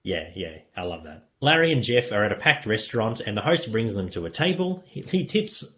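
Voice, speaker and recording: A man with a fairly low voice talks as a podcast co-host. He recaps and reviews a TV episode in a casual, informal way, often with a chuckle in his words. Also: sing-song, a little fast, pushed and bright. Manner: chuckles often while talking.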